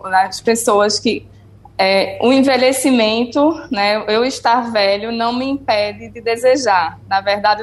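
A woman psychologist on a radio show, joining over a remote connection. She speaks hesitantly, with many fillers and "né" tags. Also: medium pitch. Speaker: psychologist guest.

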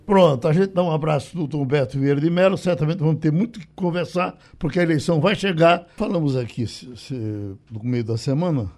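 A man with a Brazilian accent hosting a radio show, talking casually and haltingly as he tells anecdotes and reads a note. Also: fairly high pitch, darkish tone. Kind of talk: casual talk, reading a note aloud.

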